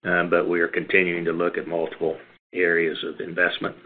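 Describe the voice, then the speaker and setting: Male executive, very low and even-pitched, halting unscripted business answers, narrow phone-conference sound. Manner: measured, halting, hedging phrasing. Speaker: company executive answering analyst questions. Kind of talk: unscripted earnings call answers. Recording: band-limited phone conference line.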